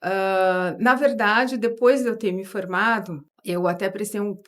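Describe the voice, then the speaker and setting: A woman's voice: mid-range voice, steady tone, measured pace. Brazilian woman from São Paulo, reflective. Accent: São Paulo Portuguese. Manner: thoughtful, frequent tag questions and restarts. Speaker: guest, board advisor. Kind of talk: conversational interview storytelling.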